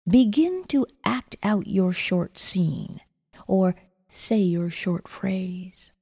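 A woman narrates a guided sleep meditation like a sleep story, soft and breathy, often near a whisper, in measured instructions with lingering pauses. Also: on the low side, steady tone. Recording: long reverberant echo.

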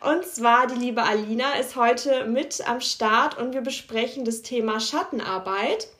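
A woman's voice: a little high, measured pace, a bit bright. A woman hosting a podcast, introducing and questioning a guest in an attentive, friendly manner. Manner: friendly, attentive, frequent backchannels. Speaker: podcast host. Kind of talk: podcast interview. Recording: roomy, echoey sound.

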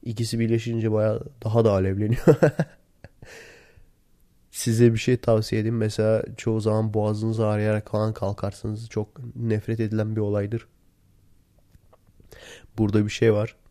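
A man with a hoarse, worn-out voice, sick and tired, chatting casually alone into a close recorder. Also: lowish voice, completely flat delivery, moderate pace, pauses often, dark tone, no echo. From Turkey. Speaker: podcast host. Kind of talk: casual solo podcast chat. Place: in bed at home. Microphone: handheld voice recorder, close.

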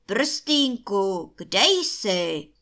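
A woman voicing a huge, angry male giant in a storybook tale, shouting slowly and drawing out his words. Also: medium pitch, big pitch swings. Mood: mocking shout. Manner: roaring, slow and drawn out.

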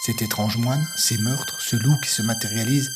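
A man narrating an audio story in a measured, steady way, with music underneath. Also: medium pitch.

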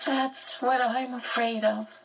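A woman's voice: on the high side, flat delivery, slow, breathy edge, recorded from a distance, pitched above the performer's own voice, exaggerated voice, poor audio. A woman reading aloud, voicing an insecure teenage girl who speaks shakily through tears. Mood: tearful. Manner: shaky, trembling over tears.

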